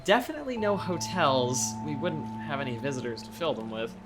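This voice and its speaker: A man's voice: medium pitch, very animated, a little fast, over music, close to an everyday voice. An actor playing a friendly, easygoing young man from an island town in an audio drama, casual and reassuring. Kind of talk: naturalistic audio drama acting.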